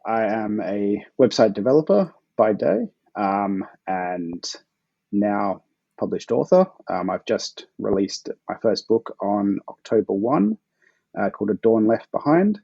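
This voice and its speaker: A forty-year-old Australian man chatting casually and in a low-key way as an author guest on a podcast. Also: expressive, measured pace, creaky, warm tone, husky, dry recording, highs cut off. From Perth, Australia.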